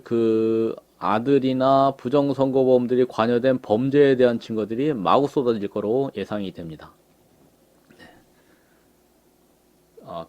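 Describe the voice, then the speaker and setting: A man giving unhurried political commentary on pictures. He fills his talk with frequent short affirmations. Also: medium pitch, darkish tone. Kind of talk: casual commentary on images.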